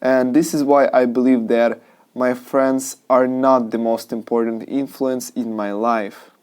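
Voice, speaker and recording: A man's voice: medium pitch, little pitch movement, a little slow, a little mellow, clean tone. A young man, a university student, giving a structured spoken exam answer with frequent "uh" fillers. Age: young adult.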